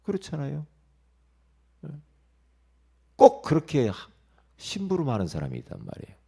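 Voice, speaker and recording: A male pastor giving an early-morning sermon, emphatic and lively, asking the congregation rhetorical questions and dropping into quiet asides. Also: on the high side, normal speed, gravelly, slightly rough.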